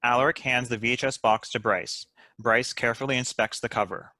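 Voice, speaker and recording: A man narrates screenplay directions in a bright, crisp-edged voice of middle pitch. The sound is dry and close. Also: steady tone, brisk, no room sound. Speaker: stage directions reader.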